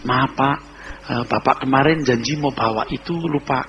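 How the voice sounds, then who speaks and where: Soft-spoken young secretary, as a preacher puts her on. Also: medium pitch, normal speed, lo-fi sound, background noise, lightly acted. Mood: sweetly polite. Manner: soft, gentle, polite speech. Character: young female office secretary, sweet and polite.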